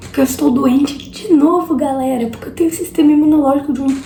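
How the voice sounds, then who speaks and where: The speaker moves at a fairly quick pace with big swings in loudness. Background noise is noticeable. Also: woman. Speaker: YouTuber. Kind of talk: casual reaction video. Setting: sister's bedroom. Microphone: possible room echo.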